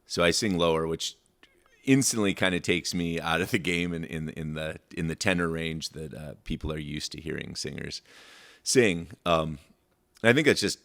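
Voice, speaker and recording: Low baritone guy from michigan, rambly chat with lots of ums and restarts, really deep voice. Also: normal speed, vocal fry, a bit bright. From Michigan, USA. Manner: rambling, many fillers and restarts. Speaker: songwriter guest. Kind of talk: casual interview chat.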